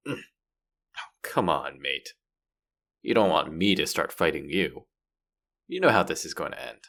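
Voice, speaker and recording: A man's voice: deep voice, creaky, fairly bright tone, heavily acted. A man playing a cocky, bratty street-rat rogue in a fantasy roleplay audio drama, teasing and foul-mouthed as he talks straight to the listener. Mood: taunting.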